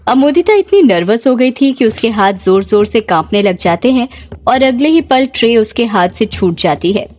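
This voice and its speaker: A woman narrating a horror story in steady, dramatic storytelling. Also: on the high side, moderate pace.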